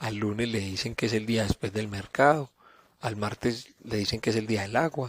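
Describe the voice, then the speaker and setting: A man with a Colombian paisa accent talks at a moderate pace and medium pitch, with fairly even intonation. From Colombia, Antioquia (paisa). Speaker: podcast host. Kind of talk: casual history podcast narration. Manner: casual, humorous, chatty.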